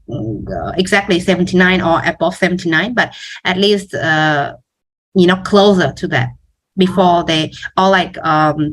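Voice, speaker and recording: Female teacher as interview guest, slightly low voice, informal and explanatory, stop-start delivery with repeated words. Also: a bit bright, low-quality recording. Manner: halting, often repeats words.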